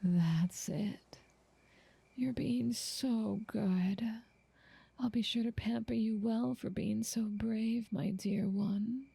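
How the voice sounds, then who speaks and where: A woman playing a doting, possessive noble vampire in an ASMR roleplay, speaking softly and coaxingly in genteel words, often slipping into a whisper, close to the mic. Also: on the high side, gravelly, slightly rough, no echo, exaggerated voice. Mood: doting, indulgent. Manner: slow, soothing, coaxing, genteel wording. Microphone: close, dry microphone.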